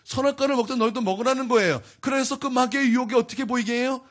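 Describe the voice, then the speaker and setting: A man's voice: extremely high pitch, quick pace, fairly bright tone. A man preaching a sermon as pastor, emphatic and repetitive, putting questions to the congregation. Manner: emphatic, repeats phrases, asks the congregation questions.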